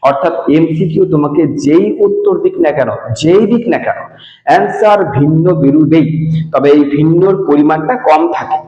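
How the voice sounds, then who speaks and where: A man in a teacher's role goes through exam answers, speaking plainly and directly to his students. His voice sits somewhat high, and it rings with a strong echo from the bare room under renovation. The recording itself sounds dull and lo-fi. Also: moderate pace, mellow. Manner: casual, addresses students directly. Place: room with renovation work going on.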